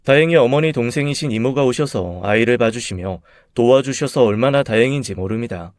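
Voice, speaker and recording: A young man narrating his own story in a measured, bitter, confessional way. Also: mid-range voice, no room sound, studio quality.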